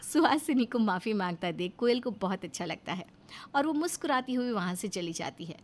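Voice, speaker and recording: A woman narrating a cartoon story in an expressive storytelling manner. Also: mid-range voice, a little fast, a little hiss or hum.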